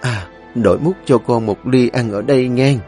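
A man voicing a tender, soft-hearted elderly grandmother, gently scolding. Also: mid-range voice, normal speed, soft background music, lightly acted.

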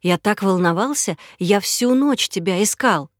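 A woman's voice: mid-range voice, animated, measured pace, no echo, studio quality, natural voice. A woman voicing a grown man who asks urgent, anxious questions and turns menacing. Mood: worried.

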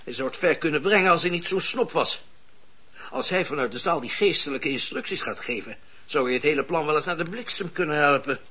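Husky, high-voiced scheming old judge. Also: male voice, animated, sharp tone, full character voice. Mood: wry, instructing. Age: older. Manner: deliberate, lecturing, scornful. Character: shrewd, cynical old male judge, amused and scheming. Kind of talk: radio play acting. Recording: muffled, dull radio play recording.

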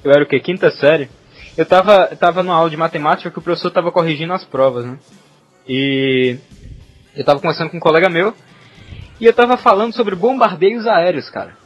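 High-voiced Brazilian man telling stories. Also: a little fast, faint music behind. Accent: Brazilian Portuguese. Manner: animated, laughing storyteller with loose slang. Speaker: podcast co-host. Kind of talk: casual chat. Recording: slightly muffled podcast audio.

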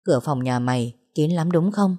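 A woman's voice: low-pitched, expressive, normal speed, mellow. A woman voicing a tough, protective older woman who scolds harshly. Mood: gentle.

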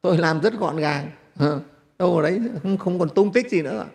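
A man voicing a calm, self-satisfied male potter who reassures his patron, in a reverberant hall. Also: on the high side, fairly quick, creaky, voice pushed up. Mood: reassuring.

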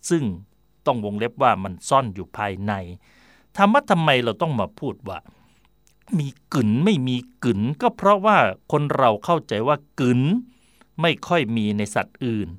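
Man, radio host, casual explainer, digressive, mid-pitched voice, dry close sound. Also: big pitch swings, moderate pace, fairly bright tone, no room sound. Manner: chatty, digressive, with fillers and self-corrections. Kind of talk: explaining word origins in casual talk.

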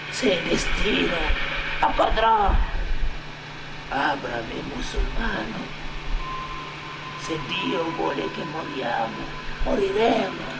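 A man narrating a dramatic theatrical monologue as a stage actor, solemn and emphatic, with long pauses. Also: gravelly. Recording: loud hum and rumbling background noise.

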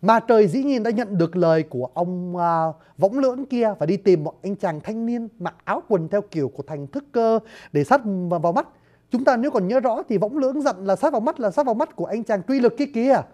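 Jokey storyteller walking listeners thru a play, mellow dark voice. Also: medium pitch, animated, fairly quick. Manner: chatty, jokey, addresses listeners directly. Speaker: storyteller explaining a stage play. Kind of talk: lively spoken commentary to listeners.

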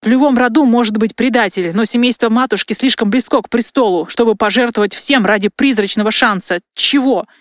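Here is a proud young male crown prince as a woman reads him, quick to flare into loud, raised reproach. His lines sit slightly higher and louder than the narration. The recording is dry and close. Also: dry recording, lightly acted. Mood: wary. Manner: bewildered turning to roaring anger.

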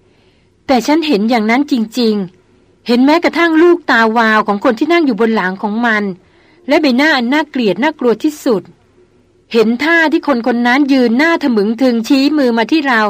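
A woman reading aloud puts on a frightened young woman in a storybook reading, her voice pushed high and strained. She pleads and insists, sounding shaken. The recording is close and dry. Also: measured pace, pauses often, dry recording, natural voice. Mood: pleading. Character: terrified young woman doctor seeing ghosts.

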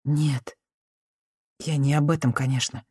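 A woman reading an audiobook voices a gentle, cautious woman speaking softly and trying to calm someone down. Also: low-pitched, measured pace, slightly rough, no room sound, studio quality. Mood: remorseful. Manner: soft, conciliatory, hushed.

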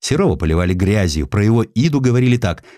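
A man reading a historical essay as a dramatic audiobook narrator, with expressive, measured literary phrasing into a close studio mic. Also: fairly low pitch, dry recording. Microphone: close studio microphone.

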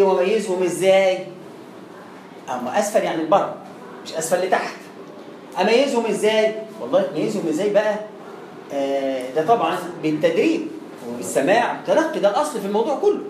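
A man's voice: high voice, darkish tone. A man with an Egyptian Arabic accent teaching Quran recitation in a chatty way, repeating words and sounding out letters. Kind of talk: explanatory lesson. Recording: roomy echo, faint background noise.

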